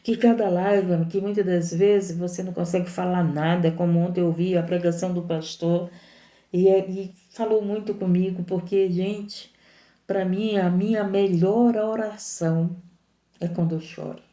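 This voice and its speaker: Woman, missionary sermon, emphatic repetition, very dark mellow tone, echoey room. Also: lowish voice, level tone, moderate pace. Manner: impassioned, repetitive, emphatic preaching. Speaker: missionary preacher.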